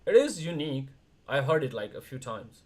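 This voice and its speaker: A young man from India chatting casually on a livestream, talking in quick bursts with frequent restarts. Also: medium pitch, sing-song. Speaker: streamer, wrestler co-host.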